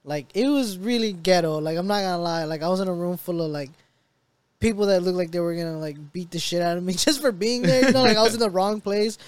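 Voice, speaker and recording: A man's voice: high-pitched, fast talker, clean tone, no echo. A young man, a stand-up comedian guest, telling rambling stories in casual chat, full of "like" fillers. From Tennessee. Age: young adult. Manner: rambling storyteller, many "like" fillers.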